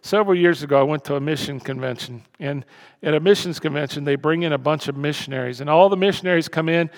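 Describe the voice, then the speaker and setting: A male pastor preaching a sermon to his church, animated and repetitive, swinging from loud emphasis to hushed tones. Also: on the high side, fast talker. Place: church sanctuary. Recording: reverberant church hall.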